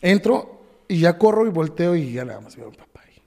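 Man, Mexican Spanish accent, mellow tone, halting emotional storytelling, reverberant sound. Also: a little high, big pitch swings, gravelly. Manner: emotional, halting, with many restarts and repetitions. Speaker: podcast guest. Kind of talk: personal storytelling.

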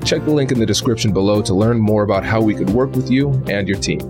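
Low-voiced male podcast host. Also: fast, over music. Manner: polished, promotional delivery. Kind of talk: podcast intro and interviewing.

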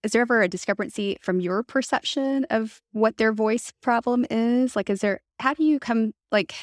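A woman's voice: a little high, normal speed, no room sound. Woman interviewer, dry close sound. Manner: thoughtful, rephrases questions as she goes. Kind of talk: interview questions.

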